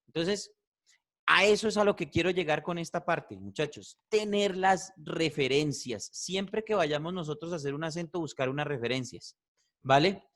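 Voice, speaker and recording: A man teaching a voice class, animated and repetitive, checking in with "¿cierto?" often. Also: a little high, moderate pace. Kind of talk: online class feedback.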